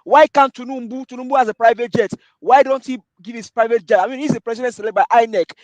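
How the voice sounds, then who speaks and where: High-pitched Nigerian man arguing, dry sound. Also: steady tone, quick pace, no room sound. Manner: argumentative, repeats rhetorical questions. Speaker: panelist on a talk show. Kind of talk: heated political debate.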